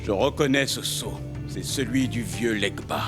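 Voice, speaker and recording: An actor playing a laid-back, slightly cowardly young adventurer in a children's cartoon, talking casually. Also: male voice, medium pitch, unhurried, lightly acted. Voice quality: casual, slangy. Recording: music under the voice.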